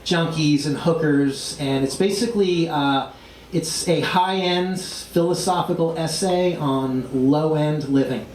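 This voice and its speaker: A woman's voice: deep voice, measured pace, a little mellow. A woman chatting casually as a guest author on a live talk show. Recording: echoey room, slightly distant, faint noise.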